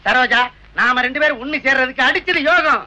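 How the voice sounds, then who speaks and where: High, bright fast-joking man. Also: rough recording. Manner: fast joking banter, mock chanting. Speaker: comic lover posing as fortune teller. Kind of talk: 1970s film comedy dialogue.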